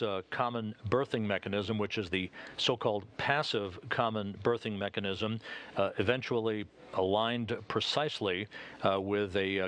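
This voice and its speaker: A man with a fairly low voice gives live space mission commentary. His delivery is formal and technical, broken by very frequent uhs. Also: fairly bright tone.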